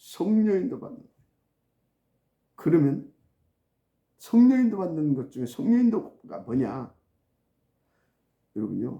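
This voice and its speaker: A man's high voice with a dark, mellow tone, very wide pitch swings, big shifts in loudness, a fairly slow pace and long, frequent pauses. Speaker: pastor. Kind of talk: sermon. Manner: animated.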